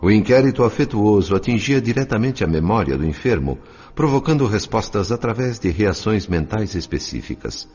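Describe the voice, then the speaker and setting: An actor playing a reflective, compassionate narrator in a radio drama audiobook, with a Brazilian accent. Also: male voice, fairly low pitch, very animated, moderate pace, darkish tone, breathy edge. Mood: solemn, reflective. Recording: slightly dull sound. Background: faint music.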